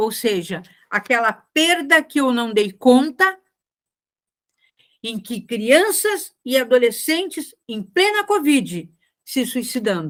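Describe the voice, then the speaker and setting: Using very wide pitch swings, a woman talks in a high voice at a very slow pace with long, frequent pauses. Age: 60s. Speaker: guest speaker on mental health. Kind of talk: conversational interview.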